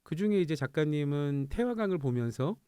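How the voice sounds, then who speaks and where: A man's voice: on the high side, lively intonation, brisk, mellow, clear, resonant tone, dry recording. A man hosting a radio talk show, telling stories animatedly and laughing often in a studio. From Incheon, South Korea.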